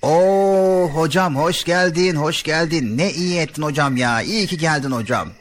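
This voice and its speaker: A man's voice: on the high side, unhurried, a little hiss or hum, lightly acted. A man playing a friendly, welcoming village man in a radio comedy sketch.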